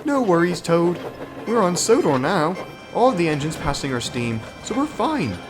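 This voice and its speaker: A man voicing a cheerful, eager young male tank engine, talking in a bright, friendly way, with music behind. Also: sits high, very animated, moderate pace, pitched above the performer's own voice. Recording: background music.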